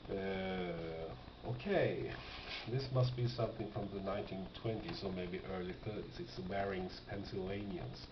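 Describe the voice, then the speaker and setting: A man talks slowly and informally, as if thinking aloud while showing off a collection. He often puts questions to himself as he goes. The sound is dull and lo-fi, with a clearly echoing room around him. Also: low-pitched, fairly even intonation. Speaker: record collector presenting finds. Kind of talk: casual off-the-cuff show-and-tell commentary. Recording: dull lo-fi, noisy, roomy sound.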